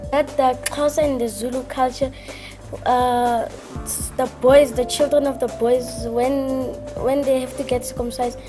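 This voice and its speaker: A learner answering a teacher's question hesitantly in class. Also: female voice, high voice, fairly even intonation, measured pace, music in the background.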